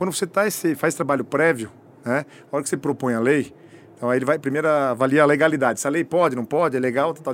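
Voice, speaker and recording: At a very fast pace, a man talks at a fairly high pitch with ordinary pitch variation. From Paraná, Brazil (raised in Pato Branco). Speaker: state politician and businessman. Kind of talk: casual podcast interview.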